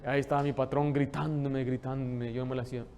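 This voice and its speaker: A man, preaching a lively sermon in a church and telling stories with humor. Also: medium pitch, fast talker. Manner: lively storytelling, joking with the congregation. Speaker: pastor.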